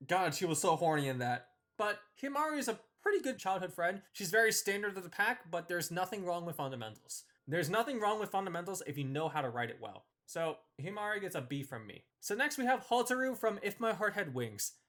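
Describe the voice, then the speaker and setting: A casual video host delivers opinionated review commentary with a widely swinging, animated pitch. The voice sits at a middling height, and the phrasing is informal, emphatic and slangy. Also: a little fast, few pauses. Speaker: video host ranking visual novel characters.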